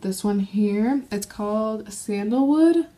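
A woman's voice: medium pitch, expressive, takes it slowly, warm tone. A young woman swatching a makeup palette in a casual vlog, gushing with gasps and exclamations. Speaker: beauty vlogger.

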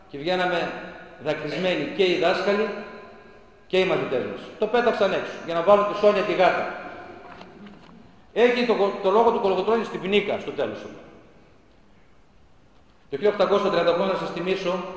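A man, a schoolteacher, giving an impassioned, indignant public talk full of sarcastic rhetorical questions in a church centre hall. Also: sits high. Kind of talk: impassioned lecture. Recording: very echoey hall with long reverb.

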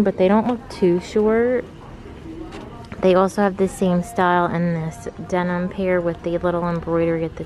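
A young female fashion vlogger films herself on a handheld phone while shopping in a clothing store, chatting casually and using lots of "like." Her voice is fairly low and darkish in tone, with background music playing over it.

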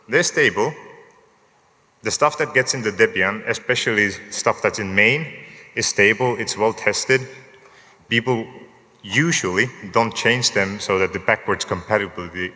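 A man speaks at a conference lectern, his fairly low voice bright and forward. He explains software in a relaxed way with the odd dry joke and quizzes the audience. The lectern microphone picks up the long reverb of a large hall. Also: normal speed. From Finland. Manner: relaxed, lightly joking, asks the audience show-of-hands questions. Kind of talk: technical conference talk.

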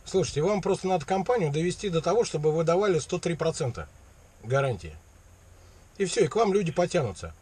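A man's voice: on the high side, sing-song, fast talker, darkish tone, breathy edge. A man chatting casually on a call from a vehicle cab, rambling and slangy in a mock-naive way. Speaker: prankster taking a sales call. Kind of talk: casual colloquial phone chat. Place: inside a parked vehicle cab.

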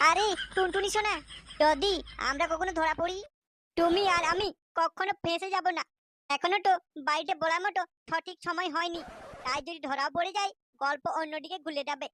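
A man's voice: extremely high pitch, a little fast, pushed and bright, a little hiss or hum. A man voicing a cocky, sweet-talking young schemer in a cartoon comedy. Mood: smug. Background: music.

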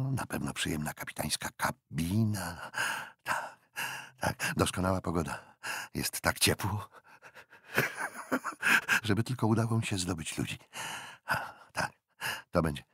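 Guy doing a jolly loud sea captain, gravelly low voice, super dry sound. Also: animated, takes it slowly, pauses often, no echo, full character voice. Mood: cheerful. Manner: loud, jovial, breaks into laughter. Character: hearty young male naval captain, boisterous.

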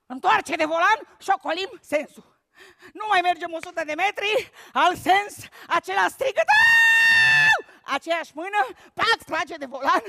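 A comic actress doing a lively stand-up monologue on a gala stage, telling a story with sudden shouted bits. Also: female voice, very high-pitched.

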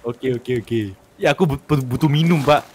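A man's voice: mid-range voice, moderate pace, a loud crowd. A man playing a survival game with a friend, urgently pleading and nagging him to hurry and help. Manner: pleading, urgent, calls his partner 'Pak' constantly. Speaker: gaming YouTuber. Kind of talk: gameplay banter.

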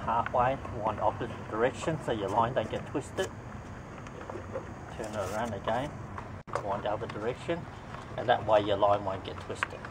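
Middle-aged guy showing how to rig a crab net, low voice, kinda far from the camera mic, street noise behind. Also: moderate pace, long pauses. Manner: plain step-by-step explaining while working with his hands. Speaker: fishing tutorial host. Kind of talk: how-to demonstration. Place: outdoor driveway beside a boat trailer. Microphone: camera mic a few feet away.

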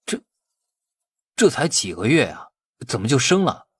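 A man's voice: mid-range voice, very animated, measured pace, a bit bright, slightly rough, heavily acted. A man voicing an anxious, puzzled young son on the run in an audiobook, questioning and doubtful. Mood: bewildered.

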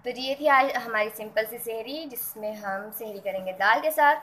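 A woman's voice: on the high side, normal speed, fairly bright tone. A woman vlogger chatting homely and casual while she cooks in her home kitchen. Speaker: cooking vlogger. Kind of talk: casual cooking narration. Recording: noisy kitchen recording. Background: clatter of pots and dishes.

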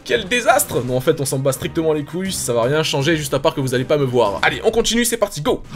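A gaming YouTuber man commentates his game with hyped, casual energy, calling out to his viewers and swearing now and then. His voice sits fairly high and swings widely in pitch. Faint game music plays underneath. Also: very animated, quick pace. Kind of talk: excited gameplay commentary. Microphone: facecam setup.

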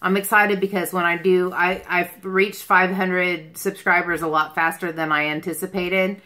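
A woman of about forty-six hosts a casual livestream from a room at home. Her voice sits a little low but has a clear, bright edge. She talks in a loose, rambling way, hopping between thoughts as she takes questions. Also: little pitch movement, normal speed, low-quality recording. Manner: rambling, jumps between topics. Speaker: beauty livestream host. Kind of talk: casual livestream chat answering viewer questions. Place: small furnished room at home, indoors.

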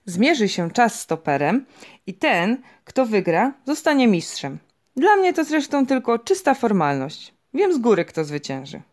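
A woman's voice: fairly high pitch, big pitch swings, unhurried, a little mellow, voice pushed up. Woman reading as a proud boastful dad, stubborn, teasing, mock-dignified, storybook audiobook.

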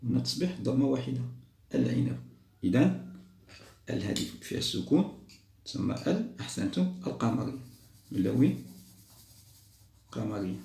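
A man teaching a lesson for young children, stretching out each model word slowly and then moving on quickly. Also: mid-range voice, sing-song, creaky, mellow. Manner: slow, drawn-out model words, then quick asides. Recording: roomy echo.

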